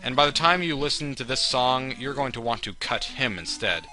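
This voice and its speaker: A man's voice: medium pitch, expressive, normal speed, sharp tone, faint music behind. A man giving humorous commentary on a video game in a wry, sarcastic manner with exaggerated reactions. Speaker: let's play host.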